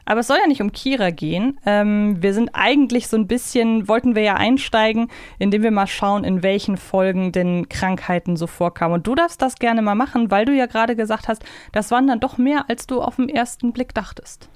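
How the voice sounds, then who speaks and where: A woman's voice: a little high, brisk, hardly any pauses, smooth, dry recording. Female podcast co-host: conversational, reflective, clean resonant tone, dry room. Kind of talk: casual chat.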